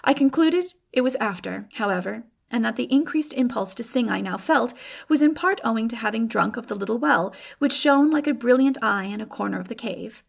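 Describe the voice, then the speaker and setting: A woman giving a dramatic, literary audiobook narration in a measured, formal and expressive way. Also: fairly high pitch, vocal fry.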